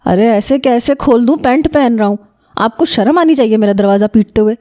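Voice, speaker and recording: A woman's voice: fairly high pitch, mellow, lightly acted. A woman voicing a teasing young man. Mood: mock-innocent. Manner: teasing, mock-innocent. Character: young man, playful scheming cousin.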